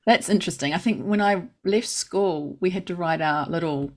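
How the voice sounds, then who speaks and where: A woman's voice: lowish voice, moderate pace. A woman hosting a podcast interview, chatting casually and encouraging her guest with enthusiasm. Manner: enthusiastic, encouraging, laughs often. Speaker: podcast host.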